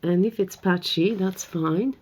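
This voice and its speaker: A woman with a slightly hoarse, croaky voice hosts a painting tutorial, chatting and thinking aloud as she works. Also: mid-range voice, a little slow, a little mellow. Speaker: art tutorial host. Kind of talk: casual painting tutorial narration.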